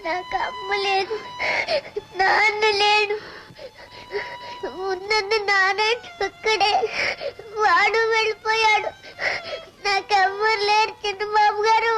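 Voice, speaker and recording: A man's voice: extremely high pitch, flat delivery, measured pace, low-quality recording. A sobbing orphan boy. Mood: tearful. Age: child. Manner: sobbing, pleading. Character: orphan boy grieving his friend, tearful.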